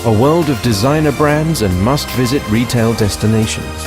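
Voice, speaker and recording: A man giving a smooth, aspirational advert read. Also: medium pitch, normal speed, music in the background. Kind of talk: luxury property advert.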